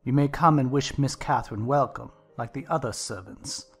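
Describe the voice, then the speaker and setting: A woman voicing a pompous, condescending gentleman, master of the house, in a dramatized audiobook. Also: a bass voice, normal speed, husky, soft background music, pitched below the performer's own voice, exaggerated voice. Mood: smug. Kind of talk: dramatized audiobook character reading.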